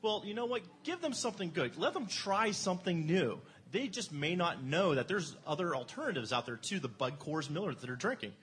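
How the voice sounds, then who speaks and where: A man's voice: a little high, very animated, fairly quick, hardly any pauses, a bit bright. A man from Erie, co-hosting a beer show in casual chat, enthusiastic and jokey, poking fun at himself. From Erie, Pennsylvania. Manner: enthusiastic, jokey, self-deprecating.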